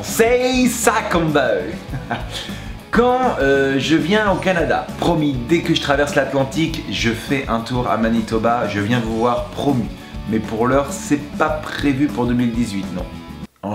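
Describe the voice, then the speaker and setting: A man's voice: mid-range voice, moderate pace, echoey room, music in the background. A man, a singer and YouTuber, answers fan questions in a playful, chatty vlog style. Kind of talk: casual vlog Q&A.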